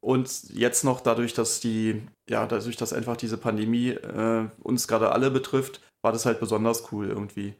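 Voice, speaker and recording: A man's voice: medium pitch, little pitch movement, moderate pace, vocal fry, few pauses. A man co-hosting a comic podcast, chatting casually with lots of fillers and restarts. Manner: rambling, many fillers and restarts. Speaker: podcast co-host.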